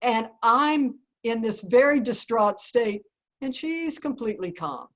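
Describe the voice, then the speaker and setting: A woman's voice: a little high, expressive, a little slow, fairly bright tone. A woman voicing a wise, kindly old grandfather who speaks in a patient and instructive way as he recounts his story. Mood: gently confiding.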